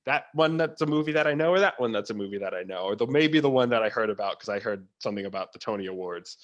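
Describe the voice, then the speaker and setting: A man's voice: lowish voice, expressive, fast talker, highs cut off. A man speaking as a theatre producer in a conversational interview, opinionated and emphatic, repeating phrases to stress his point.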